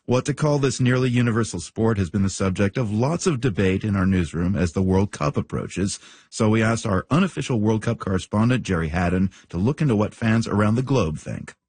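Low, husky male news host. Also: animated, a little fast, darkish tone, no echo. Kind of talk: scripted radio hosting.

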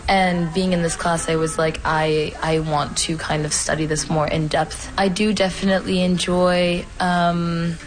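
A woman's voice: on the low side, level tone, a little slow, few pauses, poor audio. A 21-year-old woman from Morocco, a university student, answering interview questions casually with frequent fillers. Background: music.

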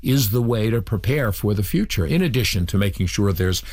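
Male interview guest, low voice, earnest and explanatory, repeats words at sentence starts. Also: animated, brisk, darkish tone. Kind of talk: radio interview answers.

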